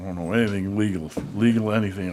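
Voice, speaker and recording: A man's fairly low voice, with audible room echo and noticeable background noise. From Rhode Island. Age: 70s. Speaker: resident speaking at public comment. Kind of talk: public comment at town council meeting.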